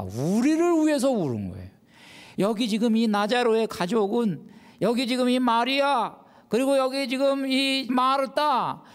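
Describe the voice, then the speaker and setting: A man's voice: mid-range voice, big-room sound. A man, a Catholic priest, giving a televised lecture on prayer and acting out the quotes in it. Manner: animated, acts out quotes.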